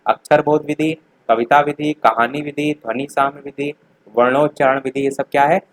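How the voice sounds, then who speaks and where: A man's voice: a little high, steady tone, normal speed, poor audio. A young man teaching a revision lesson for a teaching exam, explaining each answer plainly, talking straight to the students and repeating the key points.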